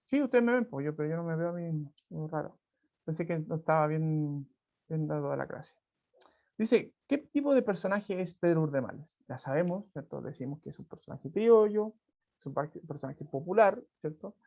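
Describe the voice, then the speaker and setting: A man's voice: fairly high pitch, lively intonation, moderate pace, creaky. Chilean man teaching over a dull call. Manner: conversational, frequent tag questions and restarts. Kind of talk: online class, reading and explaining a folk tale. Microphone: video call. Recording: dull lo-fi video call audio.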